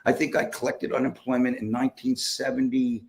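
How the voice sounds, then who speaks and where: A man's voice: mid-range voice, completely flat delivery, brisk. A man, hosting a podcast in a casual, rambling chat full of restarts and chuckles. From United States, Levittown area. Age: 60s. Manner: rambling, friendly, many restarts, chuckles often. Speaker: podcast host.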